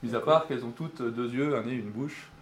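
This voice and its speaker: A man preaching to a small gathering at a mid-range pitch, pausing often on fillers as he goes. He reads a scripture passage aloud, then puts questions to his listeners. A faint hiss runs under his voice. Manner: hesitant, with frequent fillers; asks the audience questions. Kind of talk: sermon with Bible reading.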